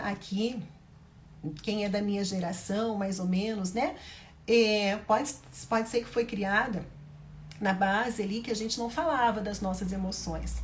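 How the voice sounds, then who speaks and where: Speaking in a mid-range voice with a Brazilian Portuguese accent, a mother addresses her viewers directly with parenting advice, stressing and repeating her main points. There's a little hiss or hum in the audio.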